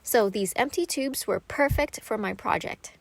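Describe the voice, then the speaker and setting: A woman's voice: on the high side, moderate pace, creaky, no room sound. Upbeat woman narrating a craft video. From Thailand. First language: Thai. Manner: chatty and upbeat, with a little self-deprecating humor. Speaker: art channel creator.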